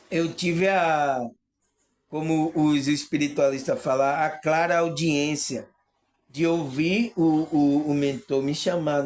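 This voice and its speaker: Earnest man talking spirituality. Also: on the high side. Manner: earnest, repeats "entende" and "né", laughs often. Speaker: spiritual video host. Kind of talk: casual spiritual talk to viewers.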